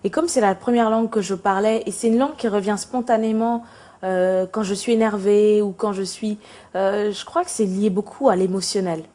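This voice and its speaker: A woman singer with a mellow, dark voice speaks reflectively in an interview clip. She uses fillers as she gathers her thoughts. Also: mid-range voice, steady tone, moderate pace.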